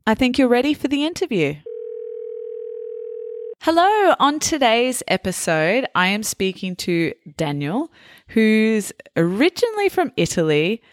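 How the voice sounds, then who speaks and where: A woman hosting a podcast interview, chatty and quick to laugh, asking many questions. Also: medium pitch, no room sound, studio quality. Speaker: podcast host. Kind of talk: casual interview.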